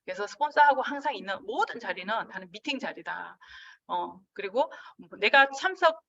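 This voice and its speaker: A woman giving a business seminar lecture in an animated way, acting out the dialogues she describes. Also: medium pitch, moderate pace, gravelly, distant mic, lo-fi sound. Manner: animated, acts out quoted dialogue.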